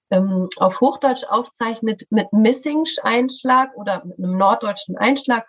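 A woman's voice: medium pitch, slightly rough. A middle-aged woman from Schleswig-Holstein, explaining things thoughtfully as a podcast guest, with many fillers and restarts. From Schleswig-Holstein, northern Germany. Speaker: artistic director of a theatre studio, guest.

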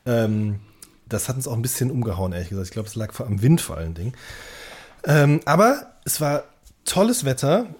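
A man's voice: medium pitch, sing-song, fairly quick, a little mellow, husky. A man chatting casually as a podcast co-host, often hesitating as he searches for words.

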